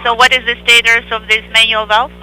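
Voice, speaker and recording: A man working as a live interpreter, relaying radio exchanges in halting, piecemeal phrases. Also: extremely high pitch, flat delivery. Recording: humming radio feed, faint noise.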